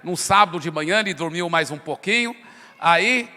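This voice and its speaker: A pastor preaching in a conversational way, acting out prayers and little dialogues. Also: male voice, fairly high pitch, normal speed, bright, forceful tone. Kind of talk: sermon. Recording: long hall reverb.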